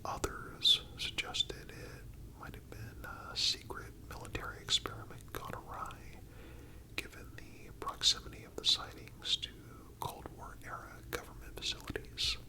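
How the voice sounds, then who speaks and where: A narrator reads a scripted ASMR story entirely in a breathy whisper, with deliberate, measured phrasing. The recording quality is low.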